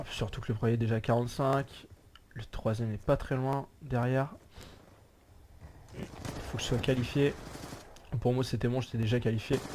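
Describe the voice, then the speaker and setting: Speaking at a moderate pace and a medium pitch, a man uses monotone, flat intonation broken by long, frequent pauses. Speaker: gaming youtuber. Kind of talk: gameplay commentary.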